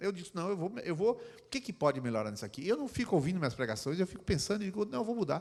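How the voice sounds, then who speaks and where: A man's high pitch and very wide pitch swings at a very fast pace. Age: 60s. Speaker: pastor. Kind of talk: sermon.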